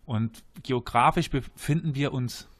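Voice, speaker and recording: A man's voice: mid-range voice, unhurried, fairly bright tone. A man hosting a casual history podcast, explaining at length with fillers and restarts and quizzing his guests. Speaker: podcast host.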